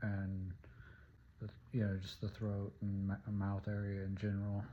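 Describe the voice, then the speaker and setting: A soft-spoken man has a dark, mellow tone and a fairly low pitch. His voice is somewhat breathy. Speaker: person with young onset Parkinson's. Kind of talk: casual talk to camera.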